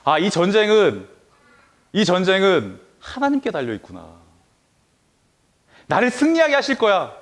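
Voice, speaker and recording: A man voicing a young shepherd boy who calmly accepts he may die, in a sermon. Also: sits high, moderate pace, long pauses, heavily acted. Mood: resolved.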